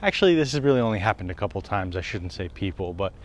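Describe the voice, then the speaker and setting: A man's voice: deep voice, lively intonation, quick pace. Chatty man walking outdoors. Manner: chatty, swearing, laughs at himself. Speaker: wellness vlogger. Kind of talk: casual walking vlog. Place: outdoors on a residential street. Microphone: handheld camera at arm's length.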